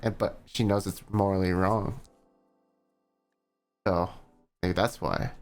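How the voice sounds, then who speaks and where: Over faint background music, a man speaks slowly in a low, steady, somewhat dark voice. He's reacting on a stream, reading out a written statement and glossing over parts with "blah, blah," pausing between sections for sarcastic asides.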